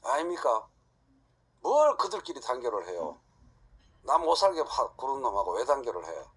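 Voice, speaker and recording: A man's voice: mid-range voice, huge pitch swings, normal speed, a bit bright, breathy edge. A middle-aged man lecturing an audience, blunt and full of rhetorical questions.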